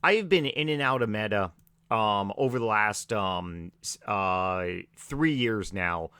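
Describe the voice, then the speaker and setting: A man who is raspy from allergies, giving a low-key, filler-heavy stock market vlog. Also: lively intonation, measured pace, bright, forceful tone, dry recording. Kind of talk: casual market commentary.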